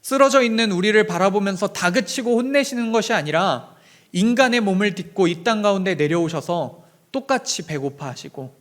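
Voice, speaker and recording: A young man preaches a Sunday sermon in a church with a fairly high voice. He tells stories earnestly and tenderly, speaking straight to his congregation. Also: expressive, normal speed, a bit bright. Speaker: pastor. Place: church sanctuary.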